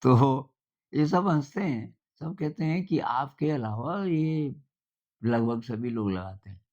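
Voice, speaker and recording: An older man talks informally at a middle pitch, in a conversational, storytelling manner with thoughtful pauses. The recording sounds somewhat dull and lo-fi. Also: lively intonation, darkish tone. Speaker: speaker giving a talk on simplicity. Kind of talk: informal spoken talk.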